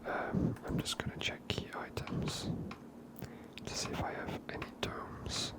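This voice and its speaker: A man giving gentle, unhurried ASMR game commentary in a breathy whisper, close to the microphone.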